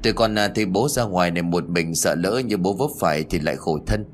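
A man doing a gentle, coaxing adult son. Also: low-pitched, fast talker, soft background music, lightly acted.

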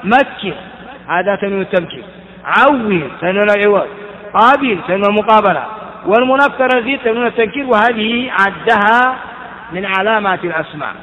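A man's voice: sits high, a little fast, bright, forceful tone. A man giving a grammar lesson, explaining step by step and asking his listeners questions. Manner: chants verse in a sing-song. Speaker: grammar teacher. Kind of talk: classroom lecture on grammar. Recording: dull, hall-like lo-fi recording.

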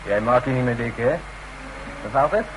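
A cocky younger workman, acted by a man in a radio play, mid-pitched and brash, always teasing in everyday slangy speech. The old recording is clearly noisy. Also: moderate pace, natural voice. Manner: brash, mocking, colloquial. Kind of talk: radio drama acting.

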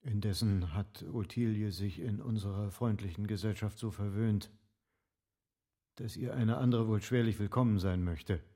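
An actor playing an evasive, lovestruck middle-aged gentleman husband in a literary radio drama, with formal, articulate phrasing. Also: fairly low pitch, moderate pace, lightly acted. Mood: evasive, reasoning.

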